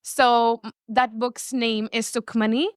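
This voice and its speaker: Young female student, bubbly and laughing, fairly high voice. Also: level tone, a little slow, dry recording, clean studio sound. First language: Punjabi. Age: young adult. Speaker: student interviewee. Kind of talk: casual interview answers.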